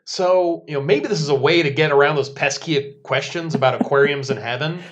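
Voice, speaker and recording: A man's voice: on the high side, highs cut off. A man co-hosting a comedic podcast, joking irreverently and reading scripture passages aloud. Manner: irreverent, jokey, reads verses slowly. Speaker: podcast co-host.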